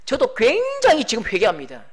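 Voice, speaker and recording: A middle-aged pastor preaching a sermon, animated, acting out quoted voices and shouting for emphasis. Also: male voice, very high-pitched, a little fast.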